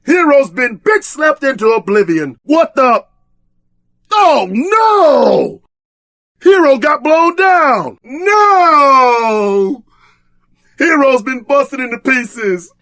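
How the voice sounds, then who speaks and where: A man's voice: very high-pitched, sing-song, very slow, a bit bright, no room sound, studio quality, full character voice. An actor voicing a brash, trash-talking tough-guy sidekick in a video game, bombastic and streetwise in exaggerated combat barks. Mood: shocked, distraught.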